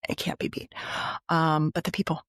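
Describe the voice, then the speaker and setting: Low-voiced middle-aged woman, dry sound. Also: little pitch movement, normal speed, fairly bright tone, no room sound. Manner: thoughtful, self-correcting, upbeat. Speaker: real estate agent, guest. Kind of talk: casual interview answers.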